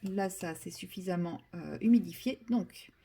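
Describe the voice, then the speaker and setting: A chatty woman talks her way through a painting session, stopping and restarting her thoughts with plenty of filler words. Her voice is mellow and warm, never sharp. She keeps a casual, self-mocking tone. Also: lowish voice, unhurried, a little hiss or hum. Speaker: vlogger. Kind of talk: casual chat while painting.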